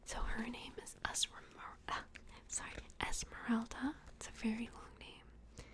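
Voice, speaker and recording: A woman whispers softly in a high-pitched voice. She speaks in a gentle, reassuring ASMR roleplay style, like an adoption worker giving one visitor personal attention. Her delivery stays hushed and unhurried. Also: level tone. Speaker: ASMR roleplay host playing a plush toy adoption worker.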